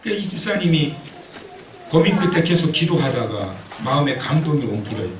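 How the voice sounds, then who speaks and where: A man preaching a sermon as pastor, telling a story with acted-out quotes and building to loud exhortation, recorded in a church. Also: fairly high pitch, very animated, a little fast, noisy background. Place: church sanctuary. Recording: echoey church hall, mic at a distance.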